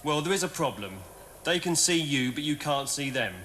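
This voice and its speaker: A man with a slightly raised voice and a dry, deadpan delivery. He plays comic sketch characters matter-of-factly. The recording carries clear background noise. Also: on the high side, moderate pace. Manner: dry, deadpan delivery rising to indignant rant. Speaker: comedian in sketches. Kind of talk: sketch comedy acting.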